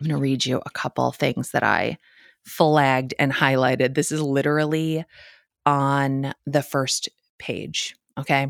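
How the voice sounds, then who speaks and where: A woman's very deep, low voice in a Midwestern US accent, fairly slow and monotone with flat intonation, with a dry, close sound and no echo on a very clean recording with a silent background. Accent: Midwestern US, nasal vowels. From US Midwest. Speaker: podcast host and author. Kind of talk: casual monologue about books. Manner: chatty, rambling, humorous.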